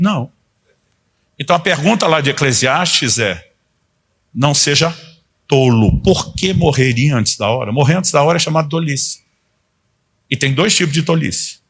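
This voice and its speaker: A man in his fifties preaching in an easy, conversational way, his voice a little husky. He slips into quoted dialogue as he tells his stories, at a middling pitch. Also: fairly bright tone. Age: 50s. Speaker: pastor. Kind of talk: sermon.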